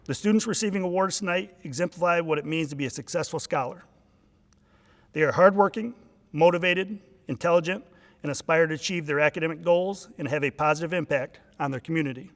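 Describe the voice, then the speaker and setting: A man speaks as a high school principal, delivering a formal, praising introduction at an awards ceremony. His voice sits a little high for a man. It carries the long reverb of a large hall. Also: fairly quick.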